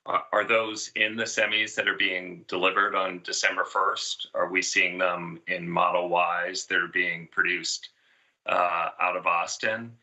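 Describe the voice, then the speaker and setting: A man's voice: sits low, little pitch movement, measured pace, sharp tone, poor audio. A male analyst putting a formal, prepared question on a conference call.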